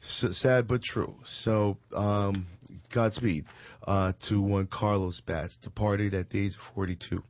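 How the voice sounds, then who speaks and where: A man's voice: on the low side, steady tone, unhurried, a little mellow, no echo. A man in his forties hosting a chat show, rambling and joking with lots of fillers. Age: 40s. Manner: loose, rambling, joking, with frequent fillers and laughs. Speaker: show host. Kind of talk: casual chat show banter.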